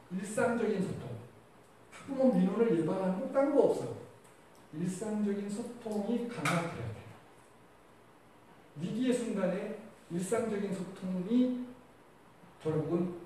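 A man's voice: high-pitched, expressive, moderate pace, long pauses, mellow. A male teacher giving a conversational lecture to other teachers and putting questions to a live audience. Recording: echoey hall, distant mic, faint noise.

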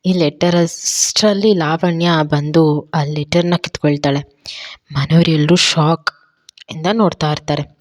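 Low-voiced woman narrating a story. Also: fairly even intonation, a little slow, no room sound, studio quality.

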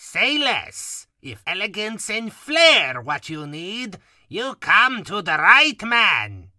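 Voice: medium pitch, big pitch swings, takes it slowly, pushed and bright, no echo, studio quality, exaggerated voice. An actor voicing a flamboyant, swaggering male crook, brash and showy with slangy talk, in a cartoon fan dub. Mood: swaggering, eager. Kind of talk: fan-dub comic acting.

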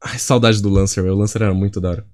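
A man's voice: fairly low pitch, steady tone, rapid-fire, darkish tone. A man from Brazil doing let's play commentary as a gaming YouTuber, joking, chatty and profane.

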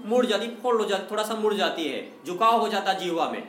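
A man's voice: sits high, expressive, fast, a bit bright, reverberant, slight background noise. A male teacher with a North Indian accent gives a classroom lecture at a board, repeating questions to the class and asking whether they have understood. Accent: North Indian, Uttar Pradesh.

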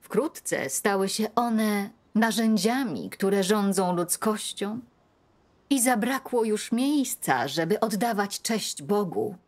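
A middle-aged woman in a dubbed film, reading a religious text aloud at a home table in a slow, earnest way. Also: medium pitch, lightly acted. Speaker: older woman leading a scripture reading.

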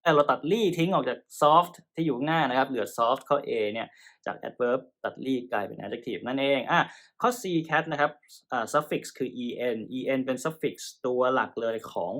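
A man's voice: medium pitch, fairly bright tone. Thai male tutor explaining English grammar. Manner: explains patiently, checks in with listeners often; spells and pronounces English words slowly within Thai. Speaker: TOEIC tutor. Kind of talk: exam-prep lesson.

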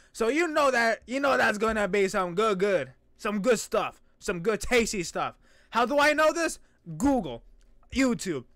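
High-pitched, animated young man reacting. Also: vocal fry, no echo, studio quality. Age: young adult. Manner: playful, joking, exclamatory. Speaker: reaction video host. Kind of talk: casual reaction commentary. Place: small indoor room.

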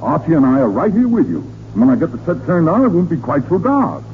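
Flustered American dad, wildly swooping voice. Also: male voice, fairly high pitch, big pitch swings, fast talker. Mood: impatient. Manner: exasperated, sputtering, sarcastic. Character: exasperated, flustered middle-aged suburban father. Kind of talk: 1940s radio comedy acting. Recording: tinny, faintly noisy 1940s radio recording.

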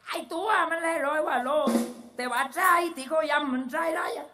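A cheeky young sidekick, voiced by a man in a shadow-puppet comedy, trading chirpy banter. The voice sits very high and sounds sharp and bright. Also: normal speed, faint music behind. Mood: bragging.

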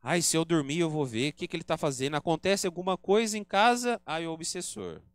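A man's voice: a little high, fairly quick, clean tone, dry recording, clean studio sound. A man with a Brazilian Portuguese accent giving an earnest spiritist lecture at a spiritist center, teaching and acting out quoted remarks. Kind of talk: religious lecture.

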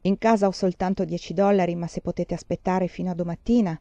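Woman reading a calm, cool-headed married man. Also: fairly low pitch, quick pace, no echo, lo-fi sound, lightly acted.

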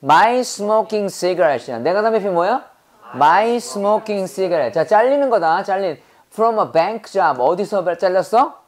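A woman with a Korean accent teaches an English grammar lesson. She fires short questions at her students one after another. She slows right down to drill English phrases for them to repeat. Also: mid-range voice, expressive, darkish tone. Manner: quizzing students with rapid rhetorical questions. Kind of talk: classroom grammar lecture.

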